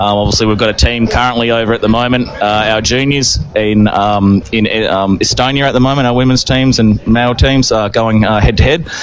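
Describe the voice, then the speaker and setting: A man with an Australian accent talks at a fairly quick pace with hardly any pauses, his medium pitch fairly even in intonation and his loudness very even, over noticeable background noise. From Australia, Perth. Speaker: ice hockey team captain. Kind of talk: interview. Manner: halting, many fillers.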